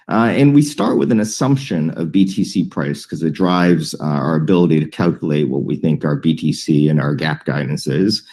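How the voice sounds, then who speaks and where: Man, deep voice, soft mellow tone, company executive on an earnings call, measured, deliberate, hesitant pauses. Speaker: company executive presenting financial guidance.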